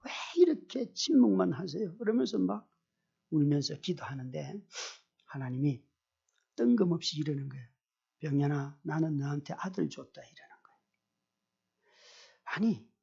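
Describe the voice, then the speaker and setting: A middle-aged male pastor preaching a sermon with personal testimony, telling it in an animated way, acting out his own prayers and putting questions to the congregation. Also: on the high side, creaky, slightly rough. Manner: animated storyteller, acts out quoted prayers, asks the congregation questions. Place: church service. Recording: dull lo-fi recording.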